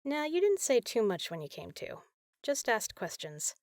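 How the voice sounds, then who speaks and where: A woman playing a caring, teasing big sister in an intimate comfort roleplay, talking softly and casually. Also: fairly high pitch, sing-song, normal speed, no echo, studio quality. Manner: soft, soothing, casual, playful.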